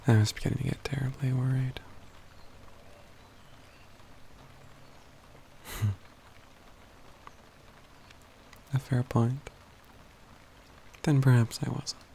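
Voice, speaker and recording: A man's voice: mid-range voice, level tone, gravelly, warm tone, a little hiss or hum, lightly acted. A man playing a composed, learned mage companion in a fantasy ASMR roleplay, speaking in formal, old-fashioned phrasing with a dry, teasing wit. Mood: wry, thoughtful. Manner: measured, formal old-fashioned wording, dryly wry.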